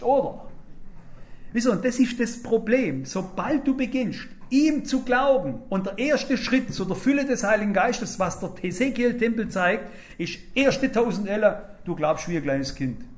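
Older male preacher, fairly high voice, emphatic sermon delivery with acted-out quotes.

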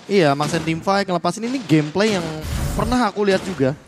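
A man with an Indonesian accent analyses a live esports match at a quick pace. His voice sits a little high, over clear background music. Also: expressive. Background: music under the commentary.

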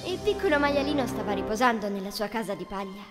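A woman's voice: medium pitch, animated, quick pace. A woman narrating a scripted children's fairy tale as storyteller, with music behind her.

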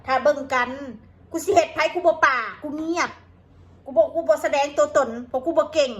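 A woman's voice: high-pitched, moderate pace, fairly bright tone, a little hiss or hum. A woman with an Isan accent, talking straight to her viewers in an angry, combative rant full of curses. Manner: coarse, combative, cursing. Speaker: vlogger.

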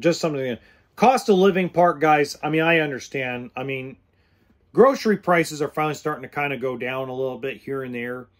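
With a mid-range voice, a podcast host in his forties talks casually and straight to the camera, blunt and earnest, with hand gestures. He's indoors in an RV or home kitchen, speaking into a close studio mic behind a pop filter.

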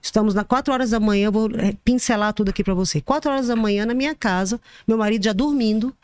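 A woman, a podcast guest, telling a personal story in an animated way, often repeating herself and restarting sentences. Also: fairly high pitch, quick pace, a little hiss or hum. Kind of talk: storytelling anecdote.

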